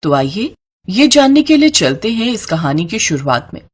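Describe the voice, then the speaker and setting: A woman's voice: medium pitch, sing-song, moderate pace, slightly rough. A woman giving scripted narration for a cartoon story.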